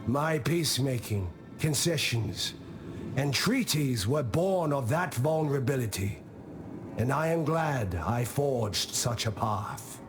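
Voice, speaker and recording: Slow-spoken, wise old tribal elder. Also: male voice, medium pitch, lively intonation. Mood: grave, reflective. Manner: measured, solemn, philosophical storytelling. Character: wise old tribal diplomat, calm, patient, gently stern. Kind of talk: scripted video game character monologue. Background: music.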